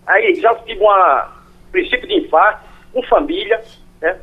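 A man's voice: sits high, animated, breathy edge. Older man calling in over a phone line. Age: 60s. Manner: halting, pleading, repeats himself. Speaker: caller. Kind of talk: phone-in question.

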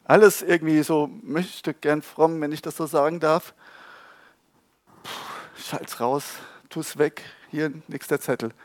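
Lively conversational male preacher. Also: fairly high pitch, measured pace, no room sound, clean studio sound. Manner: lively, conversational preaching with humor and rhetorical questions. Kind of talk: sermon. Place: church hall with a live audience.

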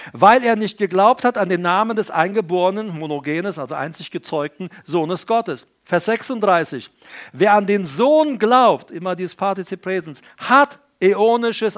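A middle-aged male pastor preaching a sermon with emphasis, stopping often to explain Greek words. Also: sits high.

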